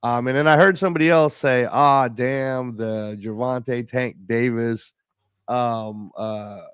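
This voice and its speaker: A man's voice: medium pitch, steady tone, unhurried, clean tone, no room sound, clean studio sound. A man talking casually as a guest on a livestream, often repeating words as he gathers his thoughts. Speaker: guest commentator.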